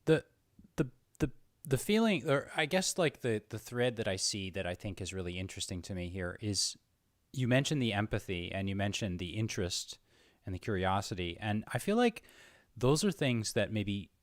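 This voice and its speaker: Low-voiced man, reflective interviewer. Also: sing-song, normal speed, no echo, clean studio sound. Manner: searching for words, repeating phrases. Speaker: interviewer, host. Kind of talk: casual reflective conversation.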